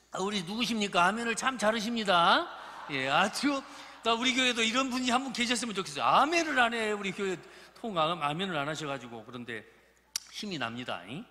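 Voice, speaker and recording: A Jeolla-accented pastor in his fifties, from Gurye, South Jeolla, Korea, preaches a joking, folksy sermon to his church congregation. His voice is a little high with a sharp tone, and the reverberant church hall recording carries a little hiss or hum.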